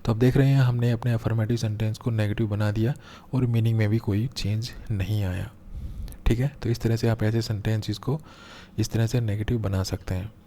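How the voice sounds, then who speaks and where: A man teaches a grammar lesson in a low, mellow voice. He explains patiently, repeating each step, and slows right down when he reads an example sentence aloud. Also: steady tone, slight background noise. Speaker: English teacher.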